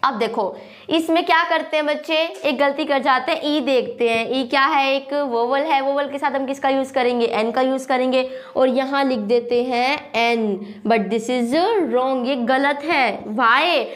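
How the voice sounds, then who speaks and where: High-voiced woman teaching grammar. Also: fairly even intonation, a little slow. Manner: quizzes listeners with repeated questions, spells words aloud. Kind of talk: classroom-style grammar lesson.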